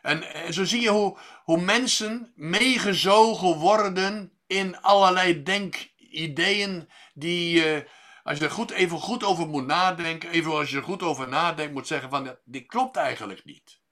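A man preaching a sermon, measured and pausing often with fillers and restarts, lifting his voice on key words. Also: a little high, sharp tone.

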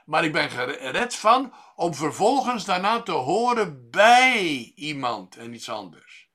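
Bright-voiced preacher, measured and pausing. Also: male voice, sits high. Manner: measured, pausing with fillers and restarts. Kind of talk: sermon.

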